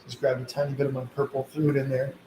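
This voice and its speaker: A man with a slight cold leads a relaxed live painting lesson, sniffling a little as he reassures viewers. He speaks quickly in a mid-range, mellow voice that stays mostly monotone. Echo fills the room, along with some background noise.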